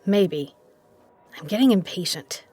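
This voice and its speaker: A woman playing a shrewd, proud poker legend who runs a bar, brash, sardonic and quick to swear, in an audio drama. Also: on the low side, expressive, dark tone, husky, no echo. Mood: impatient, sardonic. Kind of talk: dramatic audio roleplay acting.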